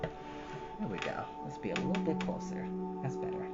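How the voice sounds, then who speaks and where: Woman, storytime reader, animated intonation, casual asides, slightly muffled audio. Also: a bass voice, moderate pace, loud music behind the voice.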